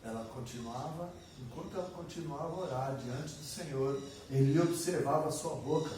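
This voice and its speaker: A man's voice: fairly high pitch, moderate pace, warm tone. A man with a Brazilian Portuguese accent preaching a conversational sermon, acting out sample prayers and asking the audience questions. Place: church hall. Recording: echoey room from far off, faint noise.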